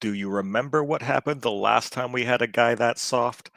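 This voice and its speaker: A man puts on a character voice at a medium pitch, talking at a fairly quick pace. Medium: actual play.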